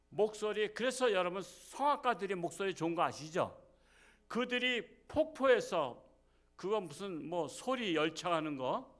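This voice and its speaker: A middle-aged male pastor giving a sermon, swinging from loud, slow scripture reading to soft, chatty, teasing asides with the congregation. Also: high-pitched. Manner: plain-spoken, teasing, talks down-to-earth with the congregation.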